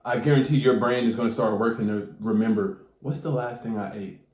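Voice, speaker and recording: A man's voice: lowish voice, steady tone, a little fast, a little mellow, echoey room. A man with a stuffy nose giving casual, slangy, profane advice straight to his viewers. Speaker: manifestation coach.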